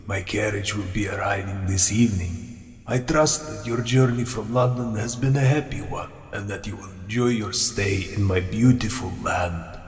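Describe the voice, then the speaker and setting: An actor playing an ancient, proud male vampire count in a radio play, speaking in a formal, old-fashioned way with a gravelly, husky voice. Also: lowish voice, dry recording. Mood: courteous. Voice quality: gravelly, husky, slow and deliberate.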